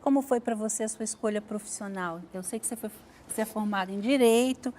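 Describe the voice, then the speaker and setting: A woman's voice: mid-range voice, quick pace, a little mellow, slight background noise. A woman hosting an interview, asking her guest questions and affirming her answers. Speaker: interviewer, host.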